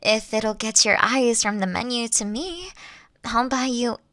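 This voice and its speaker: A woman playing a caring, affectionate boss in an intimate audio roleplay, coaxing and gently teasing, at times dropping to a near-whisper. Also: fairly high pitch, expressive, a little slow, no room sound, clean studio sound. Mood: fond, patiently exasperated. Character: caring, doting older female boss courting her sweet employee.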